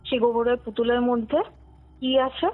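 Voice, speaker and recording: A young woman from West Bengal, India, appears as a podcast guest recounting her true ghost story, her fairly high voice flat and moderately paced. She tells it conversationally, slipping in English words and checking that her listener follows, over a tinny phone call with background music underneath.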